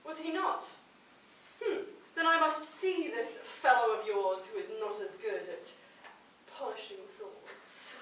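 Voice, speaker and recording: Distant and very echoey, a woman acts a pompous, distractible lord on a pantomime stage. The delivery is slow and theatrical, with high, swooping intonation. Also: expressive, fairly bright tone. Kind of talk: amateur comic pantomime stage acting. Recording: echoey hall, distant mic, faint noise.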